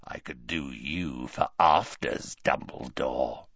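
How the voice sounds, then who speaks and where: Man doing a werewolf, rasping bark, low, dragging pace, dull lo-fi audio. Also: fairly bright tone, no echo, exaggerated voice. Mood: menacing. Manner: slow, leering, low. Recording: dull lo-fi, dry.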